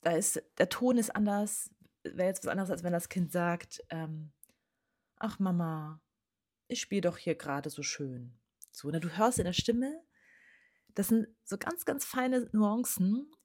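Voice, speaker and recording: A woman's voice: fairly low pitch, a little mellow, slightly rough. A woman, speaking directly to parents as a parenting coach in an earnest advice talk, often dropping to a near-whisper.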